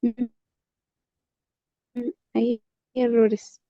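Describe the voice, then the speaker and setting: A woman's voice: fairly high pitch, monotone, drawn-out words, dry recording, lo-fi sound. A woman student answering questions in an online lesson, hesitant and thinking aloud with little hums.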